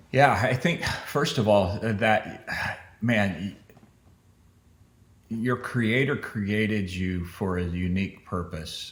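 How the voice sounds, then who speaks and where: A man's very slow speech with ordinary pitch variation. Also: fairly low pitch for a man. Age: 60s. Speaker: youth and college sports expert. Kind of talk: podcast interview. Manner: halting, frequent restarts and fillers.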